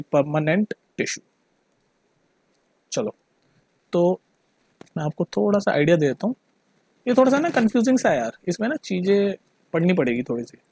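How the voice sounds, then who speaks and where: Brief: male tutor, high and husky voice, chatty, keeps asking if you follow. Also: darkish tone, dry recording. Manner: chatty, keeps checking the listener understands; mixes Hindi with English terms. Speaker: teacher. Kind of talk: casual classroom explanation.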